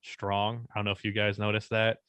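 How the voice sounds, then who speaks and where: Flat-toned young man on a podcast. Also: fairly low pitch, a little fast, clear, resonant tone, no room sound. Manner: even, unexpressive tone, swears casually. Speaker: podcast co-host and YouTuber. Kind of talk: casual podcast chat.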